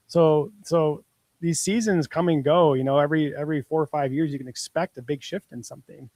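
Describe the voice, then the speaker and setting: An upbeat man co-hosting a casual business podcast, encouraging his listeners and chuckling now and then. His voice sits a little higher than average. The recording is dry and close-miked. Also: fairly quick, a little mellow, dry recording. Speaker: podcast co-host.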